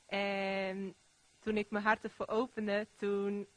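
A woman from the congregation giving a hesitant spoken testimony, pausing with fillers. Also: mid-range voice, monotone, no echo.

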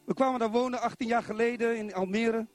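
A middle-aged man from Zwolle preaching a sermon in church, animated and constantly putting questions to the congregation. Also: very high-pitched, a little fast, no echo, faint music behind. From Netherlands, Zwolle.

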